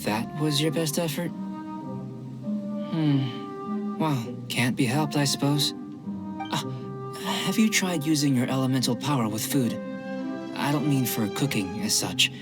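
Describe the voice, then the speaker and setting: An actor playing a calm, curious young male alchemist who speaks in precise, polite scientific phrasing. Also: medium pitch, a little slow, long pauses, close to an everyday voice. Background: game music.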